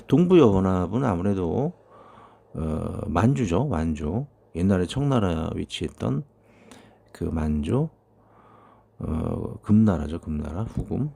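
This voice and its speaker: Gravelly low-voiced Korean pastor. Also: male voice, big pitch swings, slow pace, dark tone. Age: 50s. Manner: conversational, thinking aloud with many fillers. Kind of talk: sermon reading and commenting on prophecies.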